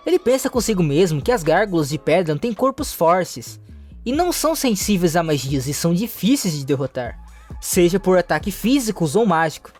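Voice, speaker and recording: A narrator, reading a comic story recap steadily, with small restarts. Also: medium pitch. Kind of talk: recap narration, read aloud.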